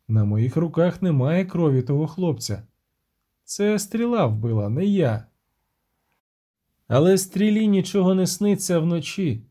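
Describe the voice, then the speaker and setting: A man voicing a weary, grim middle-aged witcher, speaking in a measured, dry and somber way in a storybook reading. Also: a little high, mellow.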